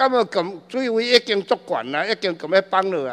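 A man with a Taiwanese accent at a moderate pace, lively intonation, dry, close sound with no echo. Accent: Taiwanese Hokkien-accented Mandarin. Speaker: city councilor. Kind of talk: council questioning. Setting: council chamber.

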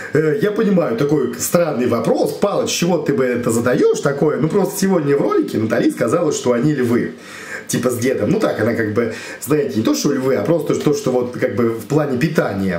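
Audible room echo surrounds the voice. A man's delivery is fairly quick. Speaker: vlogger reviewing another channel. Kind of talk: casual vlog chat. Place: home room. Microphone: phone near.

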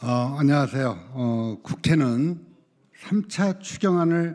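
In a quiet background, a man's very slow speech rises and falls with lively intonation. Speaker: business association chairman. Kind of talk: reading a prepared statement. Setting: press conference. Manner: formal. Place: hall. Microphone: podium.

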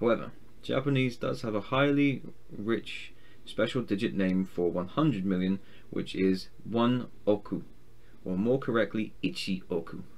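A man with an English accent, fairly low pitch, ordinary pitch variation and a fairly slow pace. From England. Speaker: YouTuber learning Japanese. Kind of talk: study session reading aloud from a textbook. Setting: indoor home recording setup. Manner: casual, rambling. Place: home room. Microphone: webcam.

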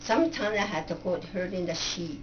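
A woman with a Southwestern US accent at a moderate pace, over light background noise. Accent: Navajo-accented English. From Navajo Nation, American Southwest. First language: Navajo. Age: 70s. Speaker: rug weaver. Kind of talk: interview answer. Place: home room. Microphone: camera far.

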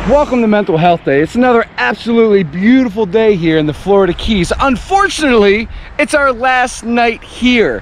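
With hardly any pauses, a man talks at a fairly quick pace in a dry sound with no echo over light background noise. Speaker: fishing vlogger. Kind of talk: casual vlog chat. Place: waterside. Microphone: phone near.

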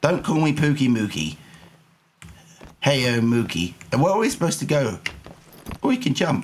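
A man with a British accent and a fairly high pitch talks at a moderate pace, leaving long, frequent pauses. His pitch swings very widely over noticeable background noise. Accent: British-sounding. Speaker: gaming streamer. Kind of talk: live gaming stream commentary. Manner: animated.

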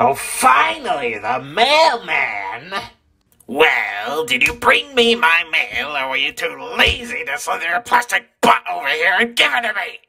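A man's raised, projected voice, extremely high in pitch with very wide pitch swings, at a fairly slow pace. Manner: whiny, lazy, sarcastic.

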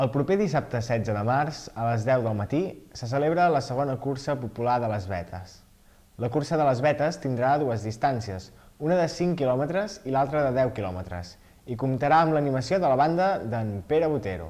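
This man talks with lively intonation. His speed is moderate. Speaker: news presenter and weather forecaster; news presenter. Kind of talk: news reading. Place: studio.

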